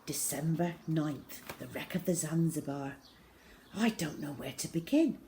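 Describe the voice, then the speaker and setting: Woman reading a kids novel out loud, measured and dramatic, really acting out the feeling. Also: low-pitched, expressive, slight background noise. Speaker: storyteller reading a children's novel aloud. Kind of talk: expressive first-person audiobook-style story reading.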